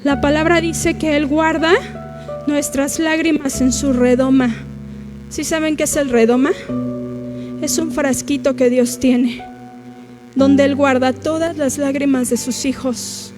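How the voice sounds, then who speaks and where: High-voiced Mexican woman preaching emphatically. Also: fairly even intonation, unhurried, music in the background. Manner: emphatic, addresses the congregation directly, acts out quoted prayers. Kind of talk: sermon. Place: church.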